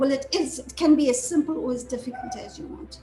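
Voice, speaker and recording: Over background music and audible room echo, a woman talks at a moderate pace with ordinary pitch variation. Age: 70s. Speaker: craft entrepreneur. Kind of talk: casual presentation. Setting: video call. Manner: hesitant.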